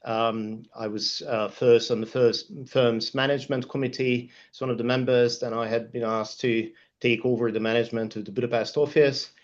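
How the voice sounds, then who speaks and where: A middle-aged Hungarian-accented man speaks on a professional panel in a formal, measured way with frequent hesitations. His mid-range voice stays very flat in intonation. The sound is somewhat dull and muffled. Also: medium pitch. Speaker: panelist, law firm partner. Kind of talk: panel discussion, career account.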